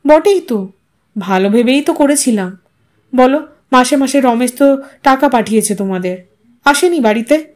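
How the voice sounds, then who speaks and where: A woman's voice: high-pitched, lively intonation, normal speed, long pauses, a little mellow. A woman voicing a young village man in an audiostory, guilt-ridden, earnest and insistent. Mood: defensive.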